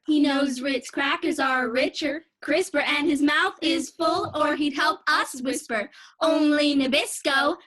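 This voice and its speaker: Woman doing 1940s commercial voice, high, slow, chirpy, radio sales style. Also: a bit bright. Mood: sales pitch. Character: chirpy vintage radio cracker-ad spokeswoman.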